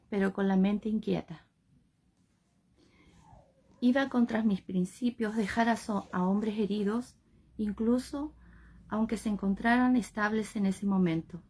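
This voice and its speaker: Woman, audiobook reader, unhurried, gravelly mid-range voice. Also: mid-range voice, a little mellow. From Chile. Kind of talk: audiobook reading.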